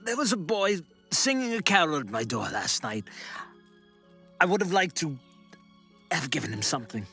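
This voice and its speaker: An actor playing Scrooge as a wistful, excitable old man in an audio drama, dramatic and given to both hushed murmurs and exclamations. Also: a little high, moderate pace, long pauses, breathy edge, soft background music, full character voice. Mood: moved, eager. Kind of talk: theatrical audio drama acting.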